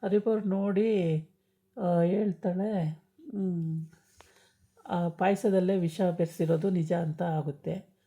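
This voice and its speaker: Low, mellow woman casually retelling a story. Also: steady tone, takes it slowly, long pauses. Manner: chatty, with many hesitation sounds. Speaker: storyteller recapping a TV serial. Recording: dull lo-fi recording.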